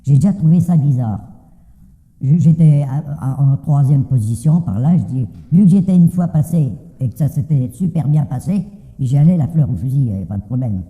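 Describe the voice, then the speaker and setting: An older man voicing an anonymous testimony, disguised by a deep pitch shift and telling his story in a plain, matter-of-fact way. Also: animated, brisk, dark tone. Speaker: interviewee giving anonymous testimony. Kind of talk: interview answers. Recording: tinny phone-like sound with long reverb.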